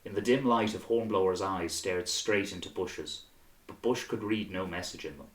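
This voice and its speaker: A man's voice: deep voice, normal speed. A man reading a novel aloud as scripted audiobook narration. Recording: roomy, reverberant sound.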